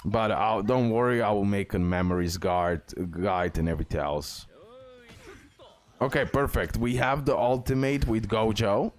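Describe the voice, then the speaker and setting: A man's voice: on the low side, moderate pace, faint music behind. A man giving casual video game tutorial commentary as a guide host, with non-native English phrasing and a habit of repeating himself.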